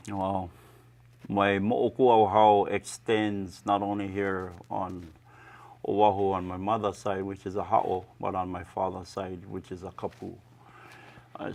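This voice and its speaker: A man speaks in a low, gravelly voice that stays almost flat. He introduces himself as a candidate in a studio, with measured, halting phrasing. He uses fillers and words. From Hawaii. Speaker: political candidate.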